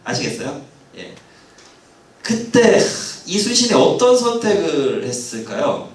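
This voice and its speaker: A man giving a lively history lecture, who asks the audience questions and acts out the lines of the people in his story. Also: high voice, measured pace. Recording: roomy hall sound, mic at a distance.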